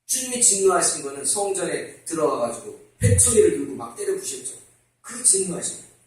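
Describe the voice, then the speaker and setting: A middle-aged man preaching a sermon as pastor, talking in a lively, conversational way and asking the congregation questions. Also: high-pitched, a little fast. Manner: animated, conversational, asks the congregation rhetorical questions. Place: church sanctuary. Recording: very echoey church hall from far off.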